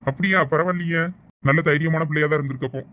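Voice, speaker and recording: A man plays a polite middle-aged father in a cartoon, with a Thoothukudi Tamil accent. He speaks very fast in a slightly high voice, deferential and quick to agree. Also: fairly even intonation, fairly bright tone, close to an everyday voice. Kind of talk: cartoon voice acting.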